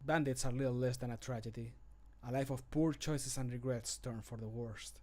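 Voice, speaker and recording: A man plays a somber male adventurer from a fantasy video game. He delivers scripted lines slowly and dramatically, full of pity, leaving weighty pauses in a medium-pitched voice. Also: steady tone, warm tone, natural voice. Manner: slow, dramatic, gapped delivery. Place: small home room.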